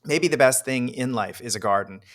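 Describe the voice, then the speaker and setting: A man's voice: mid-range voice, a little fast, fairly bright tone. Reflective man co-hosting a podcast. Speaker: podcast co-host. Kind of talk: podcast interview.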